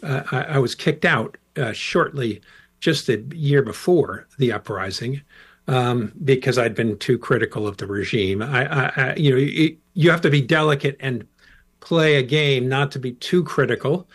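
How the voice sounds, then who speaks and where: Middle-aged American professor, rambling answers. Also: male voice, medium pitch, moderate pace, husky. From United States. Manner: relaxed, rambling with fillers. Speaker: guest professor. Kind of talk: interview.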